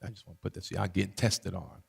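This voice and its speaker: A man's voice: low-pitched, level tone, fast, creaky, husky, big-room sound. A man preaching a teaching sermon as pastor, with emphatic repetition and call-and-response asides to the congregation. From Barbados.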